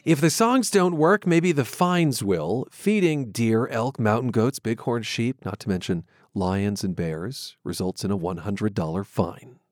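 A man hosts a public radio program, introducing guests and segments in a friendly, upbeat way with light jokes. His voice is low and recorded close and dry, with no room echo. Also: animated, measured pace, few pauses. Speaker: radio host. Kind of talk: public radio interview and show hosting.

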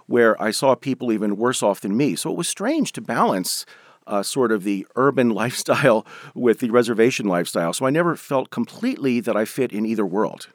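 A man from Denver, an author and professor, giving measured, explanatory answers in a radio interview. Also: medium pitch, animated, no echo, clean studio sound. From Denver, USA.

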